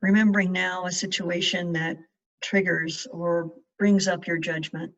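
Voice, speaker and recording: A woman guides a meditation very slowly, in a fairly low voice. She speaks in measured phrases with long pauses. She sounds set back from the microphone, and the recording is a little dull. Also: level tone, fairly bright tone. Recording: distant mic, dull muffled sound.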